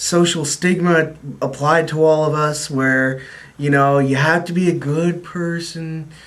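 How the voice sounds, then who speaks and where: A man speaks at a fairly slow pace and fairly high pitch with monotone, flat intonation. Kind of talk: casual talk to camera. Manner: rambling, stuttering.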